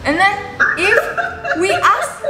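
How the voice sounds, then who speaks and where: A woman's voice: extremely high pitch, big pitch swings, slow pace. A young Indonesian woman hosting a casual chat. She talks animatedly and laughs often, stretching her key words. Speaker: host. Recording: echoey room with background noise.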